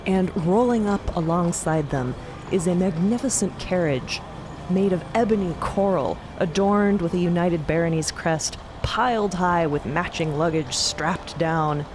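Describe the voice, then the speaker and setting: A woman's voice: fairly low pitch, unhurried, background noise. A woman narrating a scripted story in a descriptive storytelling style. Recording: loud music behind narration.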